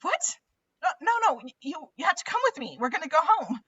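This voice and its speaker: An actress reads as a young horror-movie daughter, fiercely emotional and pleading. Her high voice is bright and urgent, tripping over repeated words. The sound is dry and slightly dull, like a video call. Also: sing-song, a little fast, no echo. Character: Max, desperate young woman pleading with her dying mother, fiercely emotional. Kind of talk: table read acting of a horror film script.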